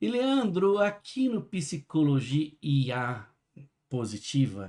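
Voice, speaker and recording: Over a quiet background, a man with a fairly high pitch and a dark, mellow tone speaks at a very slow pace. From Minas Gerais, Brazil. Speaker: podcast host. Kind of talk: podcast interview.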